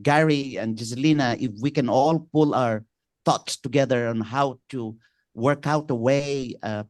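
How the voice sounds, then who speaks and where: A Filipino-accented man whose first tongue is Ilocano chairs a panel at a conference. He pauses often, restarts his phrases and fills gaps with "uh". His voice sits at a middle pitch and sounds dry and close. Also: a little mellow, dry recording. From Philippines. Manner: halting, with many fillers and restarts. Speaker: conference president and moderator.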